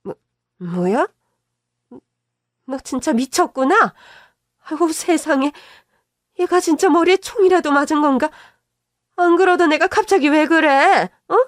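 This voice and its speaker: A woman voicing a shrill older mother-in-law who scolds and defends her son. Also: animated, a little slow, pauses often, no echo, studio quality. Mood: shrill scolding. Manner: shrieking, scolding.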